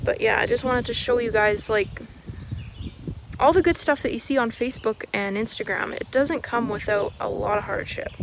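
A woman talks at a moderate pace. The sound is dry with no echo, though noticeable background noise is present. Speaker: small farmer vlogger. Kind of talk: casual vlog chat. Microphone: phone near.

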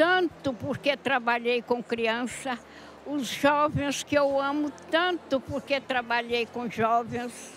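Over light background noise, a woman talks at a high pitch. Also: dry sound with no echo. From Minas Gerais, Brazil. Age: 80s+. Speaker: elderly supporter of the network. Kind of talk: interview answer. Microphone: handheld.

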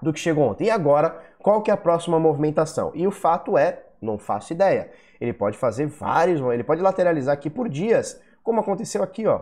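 Against a quiet background, a man speaks at a fairly quick pace, his high pitch moving in very wide swings. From Brazil. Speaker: YouTube crypto market commentator. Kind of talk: casual market analysis vlog. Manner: animated. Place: home room.

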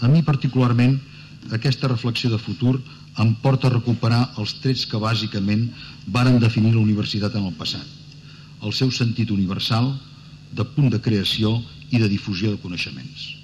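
Long, frequent pauses mark a man's moderate-paced speech. His intonation stays fairly even over light background noise. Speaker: president of university social council; university council president giving a speech. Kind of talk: formal speech. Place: hall. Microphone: podium.

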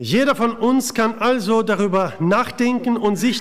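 In an Eastern European accent, a man speaks with an extremely high pitch and ordinary pitch variation at a very slow pace. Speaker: preacher. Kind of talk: sermon to a church congregation, teaching with Bible readings and a closing prayer. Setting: church. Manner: conversational and explanatory, repeating 'ja' often, with a halting, improvised delivery; changes volume; says he may be too loud or too quiet. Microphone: podium.

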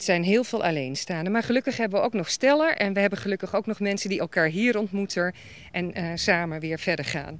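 At a fairly quick pace, a woman with a medium-pitched voice talks with lively intonation in a dry sound with no echo. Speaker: activity coordinator at care home. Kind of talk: interview answer. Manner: enthusiastic. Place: street. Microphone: handheld.

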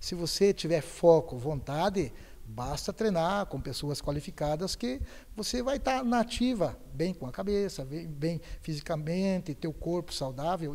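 A man talks at a fairly slow pace in a dark, mellow tone. His high voice swings very widely in pitch. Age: 60s. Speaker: jiu-jitsu athlete and instructor. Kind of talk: news interview; interview answer. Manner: halting. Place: gym. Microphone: handheld.

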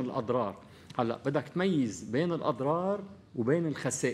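This man has an unremarkable speaking voice, fairly high in pitch. His intonation is lively and his pace moderate. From Lebanon. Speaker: business association leader; TV guest. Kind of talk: televised political debate. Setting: tv studio. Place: studio. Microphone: lapel.

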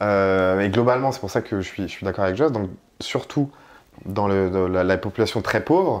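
Lively in intonation, a man with a plain, everyday voice speaks at a moderate pace and a fairly low pitch. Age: 30s. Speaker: entrepreneur, company co-founder; guest. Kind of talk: interview. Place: home room.

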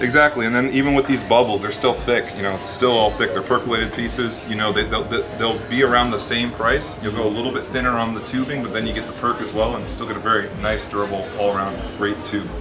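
A man talks at a very fast pace with clear music in the background. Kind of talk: product showcase talk. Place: shop.

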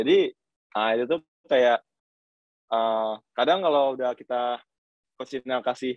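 A man's voice with ordinary pitch variation, dry with no echo, against a quiet background. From West Sumatra, Indonesia; Indonesia. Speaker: professional basketball player; guest. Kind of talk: interview. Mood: relaxed, smiling. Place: home room. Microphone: video call.

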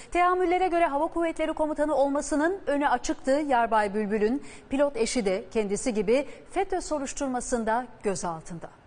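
A woman's high voice at a fairly quick pace, with very wide pitch swings and very even loudness. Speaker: news anchor. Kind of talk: news reading. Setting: studio. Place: studio. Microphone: lapel.

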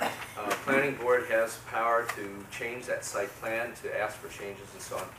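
A man speaks at a moderate pace with fairly even intonation against noticeable background noise. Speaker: neighborhood group member presenting site plans. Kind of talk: community meeting presentation. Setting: public meeting room with audience. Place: meeting room. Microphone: camera far.

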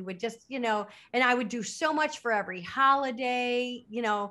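A woman with an American accent talks at a moderate pace, her fairly high voice bright and sharp, with ordinary pitch variation. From US Midwest, Chicago suburbs; Illinois. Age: 50s. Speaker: author and educator; educator. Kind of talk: interview. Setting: remote call. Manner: halting. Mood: reflective, earnest. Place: home room. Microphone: video call.

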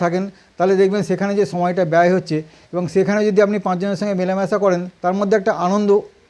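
The man's pitch is high. He delivers everything in a flat monotone. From West Bengal, Hooghly. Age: 60s. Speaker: karate teacher and businessman. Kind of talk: interview.

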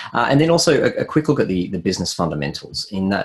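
A man with an Australian accent and very wide pitch swings, over a quiet background. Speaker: esports AV expert presenter. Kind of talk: technical webinar presentation. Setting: online webinar.

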